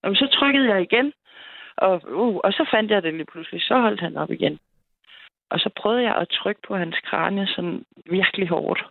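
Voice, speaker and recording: Woman caller, gravelly, chatty storyteller who laughs often, tinny phone line, dry sound. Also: on the low side, no room sound. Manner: lively, chatty, laughs between sentences. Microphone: telephone.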